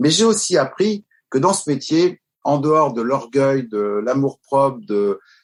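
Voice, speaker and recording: At a very slow pace, a man with a fairly high pitch swings his pitch very widely. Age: 60s. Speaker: stuntman and stunt school founder. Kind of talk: interview storytelling. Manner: hesitant with many fillers.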